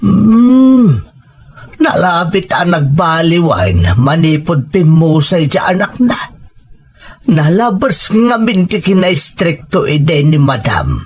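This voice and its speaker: A man playing an elderly, reassuring village father and grandfather in a radio drama, speaking in a measured, consoling manner. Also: a little high, very animated, darkish tone, breathy edge, heavily acted. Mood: concerned. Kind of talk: Filipino radio drama acting.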